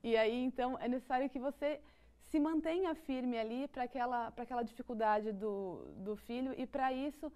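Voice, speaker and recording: Speaking at a normal pace in a fairly high, mellow voice, a woman with a Brazilian Portuguese accent discusses psychology ideas as a guest. She's reflective, frequently starts over, and gives small laughs.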